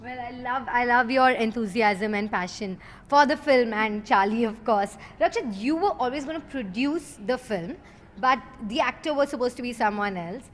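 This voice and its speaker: A woman with a high voice hosts a celebrity interview, effusive and full of compliments. The sound rings with long reverb over background noise. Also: moderate pace. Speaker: interviewer, host.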